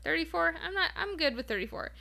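A woman's voice: very high-pitched, expressive, fast, creaky, sharp tone. A woman in her thirties co-hosting a podcast in casual, chatty talk, laughing often. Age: 30s. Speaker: podcast co-host. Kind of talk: casual chat.

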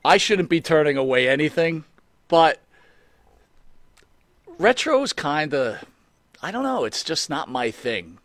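A man's voice: a little high, sing-song, takes it slowly, long pauses, a bit bright, no room sound. A man hosting a casual talk show, asking joking questions in an easygoing way. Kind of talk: casual interview.

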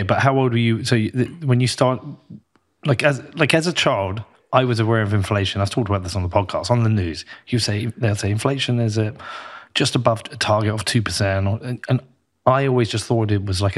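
A man's voice: fairly low pitch, a little fast. A man hosting a podcast, chatting enthusiastically and often restarting his sentences. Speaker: podcast host. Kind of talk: casual podcast conversation.

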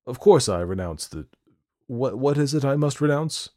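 Man acting a higher-pitched, placating gentleman. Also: sing-song, moderate pace, husky. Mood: humoring, kindly. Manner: soothing, coaxing, light-toned. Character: placating, kindly, bewildered male cousin humoring a madman. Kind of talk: dramatic audiobook character acting.

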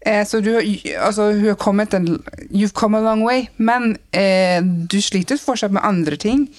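On a casual podcast, a female guest with a mid-range voice speaks bluntly and emphatically, jumping between Norwegian and English mid-sentence. The recording is dry.

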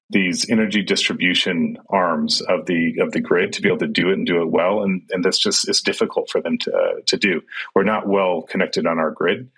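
A man's voice: low-pitched, a bit bright, slightly rough, poor audio. A middle-aged man who grew up in Sudan and Kenya, a tech entrepreneur answering interview questions in a thoughtful way, with many fillers and restarts.

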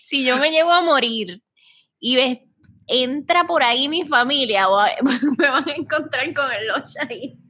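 A woman's voice: high-pitched, a little slow, bright, forceful tone. A young Puerto Rican woman in crude, casual podcast chat, laughing often and swearing freely.

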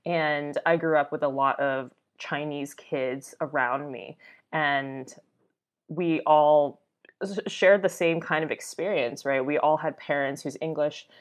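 An American woman from Boston telling personal stories casually as an interview guest, peppering her talk with "like" and voicing quoted remarks. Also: sits low. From Boston, United States. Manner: conversational, often uses "like", acts out quoted remarks. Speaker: podcast guest, travel blogger.

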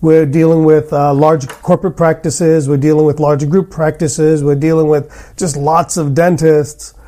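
Higher-pitched, mellow male podcast host. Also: little pitch movement, a little slow. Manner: blunt, opinionated. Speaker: podcast host, general dentist. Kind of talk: conversational podcast hosting. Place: hotel room.

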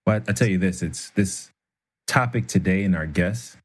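A man co-hosting a casual conversation with a smooth, radio-like delivery. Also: low voice, moderate pace. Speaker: podcast co-host.

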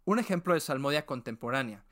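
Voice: mid-range voice, lively intonation, fast talker, fairly bright tone. Methodical podcast teacher. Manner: methodical, lists and repeats terms step by step. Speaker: podcast host teaching liturgical music. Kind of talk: educational podcast explanation.

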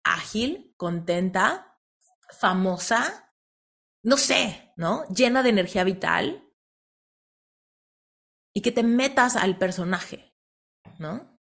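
Animated Mexican woman coaching host. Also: medium pitch, slow, long pauses. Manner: animated storyteller, tags lines with "¿no?". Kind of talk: motivational coaching talk.

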